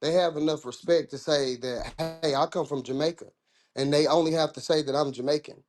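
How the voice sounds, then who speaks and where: A man's voice: a little high, steady tone, fairly quick, a little mellow, faint music behind. Rambling Southern American man. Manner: rambling, restarts often, informal speech. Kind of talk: casual discussion.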